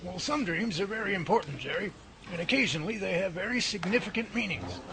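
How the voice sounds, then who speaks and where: A man's voice: high-pitched, lively intonation, fast. A man playing a folksy old professor. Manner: folksy and inquisitive. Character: folksy older male professor, curious and teasing. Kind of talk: hobby radio drama acting. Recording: noisy home recording.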